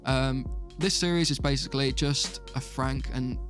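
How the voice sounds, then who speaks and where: A young man hosting a casual chat, relaxed and laughing often. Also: medium pitch, normal speed, music in the background. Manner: laid-back, laughs often, British slang. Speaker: podcast host.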